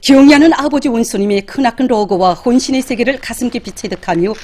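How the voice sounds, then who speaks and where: High-pitched North Korean woman news announcer. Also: brisk, a little mellow. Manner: solemn, reverent, emphatic declamation. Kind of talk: formal scripted news narration.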